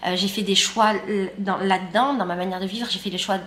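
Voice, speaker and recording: A woman's voice: mid-range voice, steady tone, brisk, fairly bright tone. A woman in her thirties from France, chatting casually in a vlog while eating breakfast. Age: 30s. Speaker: YouTuber and guide. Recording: roomy sound with faint ambience.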